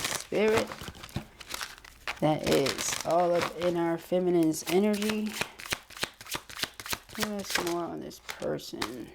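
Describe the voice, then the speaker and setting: A woman's voice: lowish voice, creaky, very noisy. A woman giving a casual tarot reading, talking conversationally to the listener and often checking in with short tags. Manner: conversational, punctuated with frequent check-in tags like okay and right. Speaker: tarot card reader.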